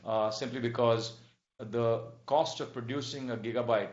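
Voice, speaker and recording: A man answering as a company executive on an earnings call, in a measured, halting, explanatory manner. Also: lowish voice. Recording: dull, echoey conference-call audio.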